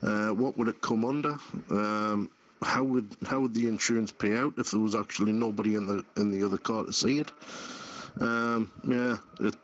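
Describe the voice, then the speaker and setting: A man's voice: fairly low pitch, steady tone, normal speed. A man in a casual panel discussion of the news, sceptical and full of questions. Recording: muffled lo-fi audio.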